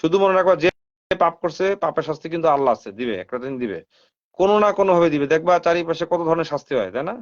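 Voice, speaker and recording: A man hosting a live stream with a slightly high voice. He comments casually, fires rhetorical questions at his viewers and drops English phrases into his talk. The sound is dull and lo-fi, like a live stream. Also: racing. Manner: talks straight to viewers, asks them rhetorical questions.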